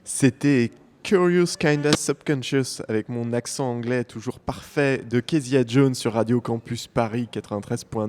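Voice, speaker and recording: Male radio host, mid pitch, easygoing and playful. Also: a little mellow, in a large hall. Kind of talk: radio show hosting. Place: street art festival.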